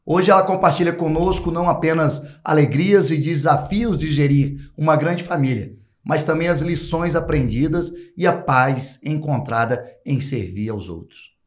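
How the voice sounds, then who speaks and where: A man's voice: a little high, normal speed, hardly any pauses. A man hosting a podcast, reading a guest introduction and asking questions with some hesitation. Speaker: podcast host. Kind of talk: podcast interview.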